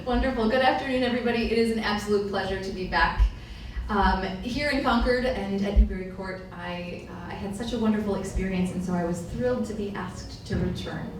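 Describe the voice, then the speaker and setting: A woman pianist chatting to a concert audience about the music, explaining in a friendly, meandering way with self-corrections. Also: fairly quick. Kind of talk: spoken concert introduction. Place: large echoey concert hall. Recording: far-off echoey hall with faint rumble.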